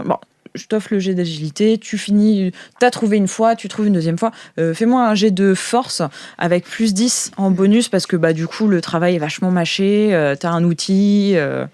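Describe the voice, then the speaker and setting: A woman's voice: lowish voice, vocal fry, a little mellow, dry recording, studio quality. A woman running an improvised tabletop role-playing game, thinking aloud informally and hesitantly as she narrates. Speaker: game master. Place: recording studio. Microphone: studio microphone.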